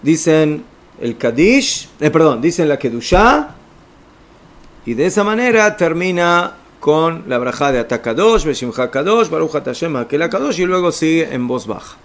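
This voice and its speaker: A man's voice: fairly high pitch, big pitch swings, normal speed. A man teaching an informal religious law lesson, explaining step by step and checking in with his listeners. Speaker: rabbi teaching a class.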